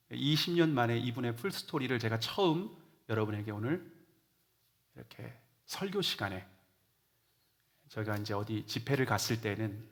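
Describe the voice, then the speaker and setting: A middle-aged male pastor giving a Sunday sermon in a church, telling a personal testimony earnestly and moving between loud emphasis and hushed near-whispers. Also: medium pitch. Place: church sanctuary.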